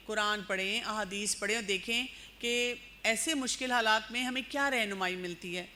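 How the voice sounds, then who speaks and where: A woman giving a frank, lively lecture on parenting and youth, acting out little scenes as she goes. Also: medium pitch, a little hiss or hum.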